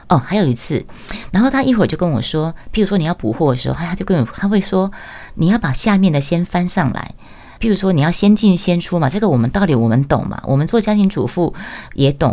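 A woman's voice: low-pitched, vocal fry. A middle-aged woman casually recounting her job, acting out quoted exchanges with sudden raised voices. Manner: animated, acts out quoted lines in raised voice. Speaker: voice worker recounting her tofu stall job. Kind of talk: casual storytelling monologue.

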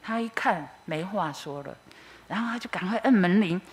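A middle-aged woman with a Taiwanese Mandarin accent, giving a personal testimony at church as an expressive storyteller. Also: on the low side, moderate pace, a little hiss or hum.

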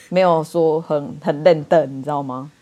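A woman's voice: low voice, fairly even intonation, a little slow, warm tone. A woman with a Taiwanese Mandarin accent, chatting casually in a blunt, teasing way. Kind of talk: casual chat.

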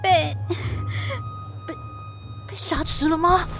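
Casting: young Taiwanese policewoman, very high voice, earnest, radio drama over clear music. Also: steady tone, very slow, heavily acted. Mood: alarmed concern.

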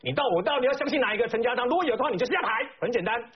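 This Taiwanese-accented Mandarin-speaking man comments on politics on a talk show, sounding indignant and leaning hard on rhetorical questions. His very high, slightly rough voice comes rapid-fire, and the broadcast audio is slightly dull.

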